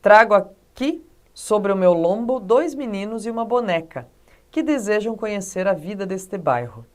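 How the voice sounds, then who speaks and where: A woman with a Brazilian accent voicing a clumsy, polite male rhinoceros, reading formally and slowly from a storybook. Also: medium pitch, animated, close to an everyday voice. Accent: Brazilian Portuguese.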